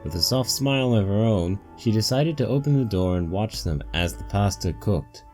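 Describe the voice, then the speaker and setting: A man's voice: lowish voice, animated, moderate pace, a little mellow, soft background music. A man reading a story aloud as its narrator, in scripted storytelling style. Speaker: narrator of a fan fiction reading.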